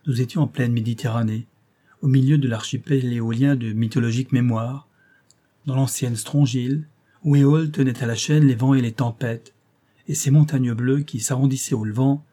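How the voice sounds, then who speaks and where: A man's voice: medium pitch, dark tone. A man narrating a classic adventure novel as an audiobook, reading expressively and lifting his voice for quoted dialogue.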